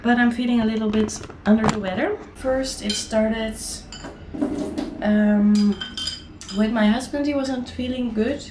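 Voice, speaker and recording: A woman in her thirties with a Dutch accent, a mom chatting casually through a home vlog, her voice raspy from a sore throat and her talk full of fillers and restarts. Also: on the high side, steady tone, unhurried, roomy sound, background noise. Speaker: vlogger, mom. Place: apartment kitchen.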